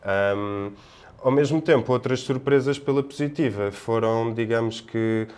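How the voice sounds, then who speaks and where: A man with a European Portuguese accent giving casual sports analysis as a podcast panelist, in a halting, discursive manner. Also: mid-range voice, darkish tone, smooth.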